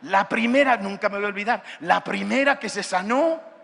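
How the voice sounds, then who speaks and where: A male pastor preaching a sermon at a youth conference, with an impassioned delivery that rises to shouts. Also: high voice, moderate pace, vocal fry, long reverb tail. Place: large hall at a youth conference.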